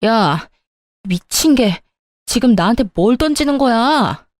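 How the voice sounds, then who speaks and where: A woman's voice: on the high side, animated, slow pace, no room sound, studio quality. A woman voicing an entitled sister-in-law in an audio drama, whiny and demanding. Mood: demanding angry.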